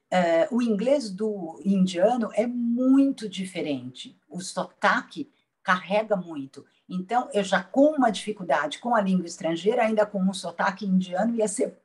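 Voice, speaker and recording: A woman from Brazil talks through her experience in a roundtable. Her pace is unhurried and reflective, and she often restarts a phrase. Her voice sits at a middle pitch. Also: a little mellow. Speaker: patient. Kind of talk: casual roundtable testimony.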